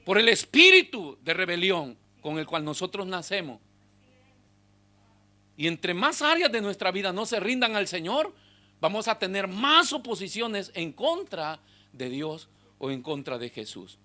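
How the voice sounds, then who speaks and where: A man preaching a sermon as pastor, swinging between loud exhortation and hushed asides to the congregation. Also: sits high, big pitch swings, unhurried. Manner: speaks directly to the congregation with rhetorical questions.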